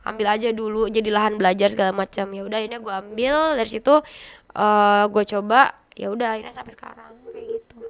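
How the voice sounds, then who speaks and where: A young woman who works as an esports caster and streamer is a guest on a casual podcast interview, chatting bluntly and laughing often. Her mid-range voice is gravelly, with a steady tone and a quick pace.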